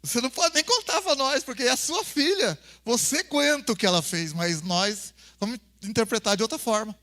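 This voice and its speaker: Speaking in a very high, bright, pushed voice, this Brazilian-accented pastor moves briskly and expressively through a folksy sermon. He addresses listeners as "brother" and plays out family scenes in conversation.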